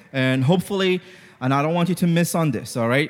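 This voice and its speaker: A man with a non-native accent talks at a very fast pace. His intonation is lively. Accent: foreign. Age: 30s. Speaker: small group leader preaching at church. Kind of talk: sermon. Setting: church service.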